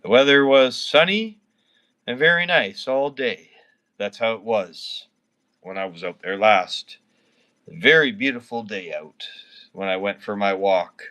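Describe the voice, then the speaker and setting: Drunk and slurring, this thirtysomething Canadian rambles to his livestream audience and can't stop swearing. His voice is fairly low, pushed, and bright.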